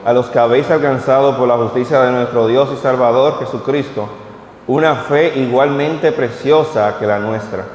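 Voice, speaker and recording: A man's voice: mid-range voice, slight background noise. A man, reading scripture aloud at a church vigil and then speaking plainly to the congregation. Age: 30s. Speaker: preacher. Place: church hall at a vigil service. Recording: echoey hall with long reverb.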